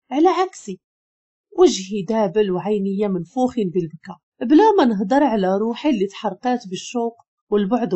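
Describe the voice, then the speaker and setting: A woman's voice: on the high side, warm tone, slightly rough, highs cut off. A woman with a Moroccan Arabic accent, narrating a first-person love story and reading the dialogue in her own voice.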